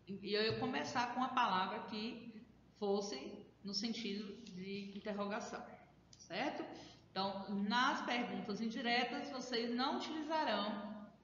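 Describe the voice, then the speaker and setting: A woman's voice: a little high, fairly bright tone, a little hiss or hum. A woman schoolteacher with a Brazilian Portuguese accent giving a remote lesson, explaining step by step and often checking in with her students. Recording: very echoey room, dull lo-fi sound.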